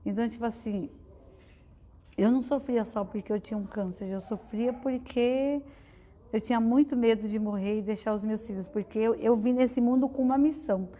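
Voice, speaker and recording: A woman's voice: fairly high pitch, moderate pace, warm tone. Heartfelt middle-aged woman giving testimony. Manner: heartfelt, conversational, with frequent fillers. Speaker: guest speaker at a spiritist study center. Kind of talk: personal testimony talk.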